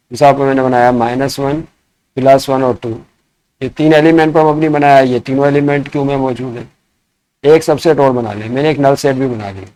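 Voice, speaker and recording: A man's voice: mid-range voice, darkish tone. Man teaching math, quizzing students. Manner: asks students questions and answers them himself; slows down to dictate problems word by word. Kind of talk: classroom lesson explaining sets.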